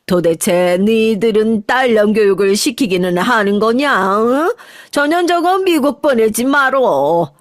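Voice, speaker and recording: Woman reading a nagging, spiteful old grandmother in a dry, lowered voice. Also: no echo, natural voice.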